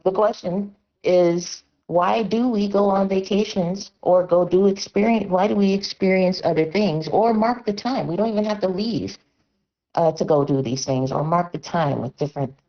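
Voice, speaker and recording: A woman chatting reflectively over a radio net, her voice muffled as if heard through a wall, with echo behind her. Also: fairly low pitch. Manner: reflective, poses questions. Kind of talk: casual on-air chat over a two-way radio net. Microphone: phone mic.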